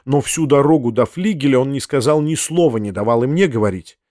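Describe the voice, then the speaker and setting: A man narrating a novel in a measured, steady audiobook reading. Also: medium pitch, no room sound, studio quality. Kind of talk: scripted narration.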